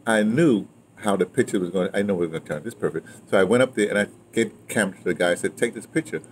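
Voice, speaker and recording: This audio drama veteran, a man in his seventies, speaks rapid-fire in a lowish, slightly mellow voice. Interviewed casually, he reminisces and repeats phrases as he talks. The recording is outdoors in a patio or yard, with clearly noisy ambience.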